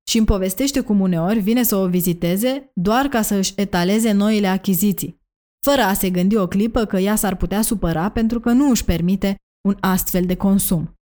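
A woman narrating an academic essay in a measured, even delivery. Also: mid-range voice. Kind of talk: reading an academic essay aloud.

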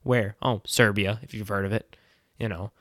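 A man's voice: lowish voice, steady tone, moderate pace, fairly bright tone, no room sound, clean studio sound. A young American man in casual conversation, joking and sarcastic, often laughing as he talks. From United States. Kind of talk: casual chat.

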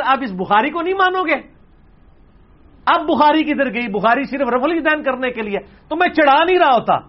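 A man's voice: extremely high pitch, muffled recording. A man answering audience questions as a religious scholar, arguing hard with rhetorical questions and quoted opponents. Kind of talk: impassioned religious Q&A talk.

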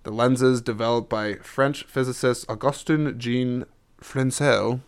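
A man's voice: mid-range voice, fairly even intonation, measured pace, clean tone. A man chatting casually as a co-host, rambling, restarting his sentences and reading things aloud from web searches. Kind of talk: casual chat.

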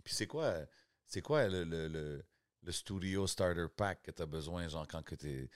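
Low-voiced man, podcast host, franglais slang, casual. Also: lively intonation, a little slow, clear, resonant tone, no room sound, clean studio sound. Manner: mixes English slang into French.

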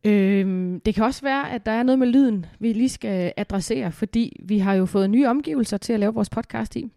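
A woman's voice: fairly high pitch, creaky, dark tone, dry recording, clean studio sound. A woman co-hosting a podcast in casual chat, upbeat and rambling with fillers, with a cold, at home in a living room. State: has a cold. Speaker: podcast co-host.

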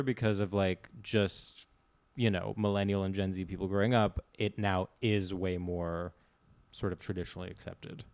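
A man from Greece with an American accent, chatting casually as a comedic podcast guest, animated and digressive, acting out what people say. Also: on the low side, clear, resonant tone. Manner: animated, digressive, acts out quoted remarks.

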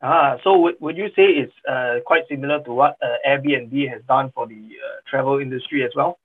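Guy hosting a podcast, lots of uhs, husky voice, tinny phone sound w faint music. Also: medium pitch. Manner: halting, frequent "uh" and "you know". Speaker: podcast host.

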